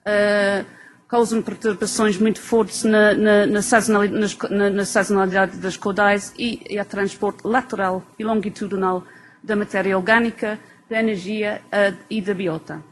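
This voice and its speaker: A woman's voice: medium pitch, steady tone, moderate pace, slight background noise. A woman from England giving an academic talk with an English accent in her non-native Portuguese, hesitating as she searches for words. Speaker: researcher giving a lecture.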